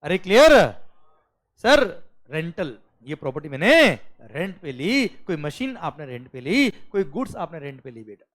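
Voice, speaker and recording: A man teaching a classroom lecture, often asking his students whether things are clear and mixing English phrases into his speech. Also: on the high side, unhurried. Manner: lively, drills students with repeated questions.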